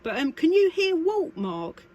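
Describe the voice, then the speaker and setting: A woman's voice: very high voice, sing-song, measured pace. A chatty, exclamatory woman operating a CB radio in a two-way chat. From United Kingdom. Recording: radio contact with faint static.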